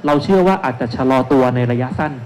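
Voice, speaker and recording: A medium-pitched, slightly mellow male voice moves at a quick pace as a securities analyst in his thirties gives an investment seminar presentation on a panel. Speaking into a handheld mic from an indoor shopping mall expo stage, he explains step by step with frequent polite particles. The audio carries noisy live event sound.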